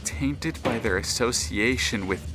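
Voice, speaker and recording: A man narrating an audio drama in a measured, dramatic manner as a grave storyteller of a troubled tale. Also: medium pitch, loud music behind the voice, close to an everyday voice. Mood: brooding.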